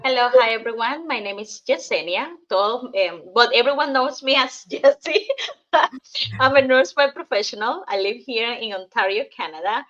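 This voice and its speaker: A woman from Cuba co-hosts with a high, bright, sharp voice. She talks in a friendly, slightly halting way, and the sound comes through dull and lo-fi. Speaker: nurse and podcast co-host. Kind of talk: casual podcast talk.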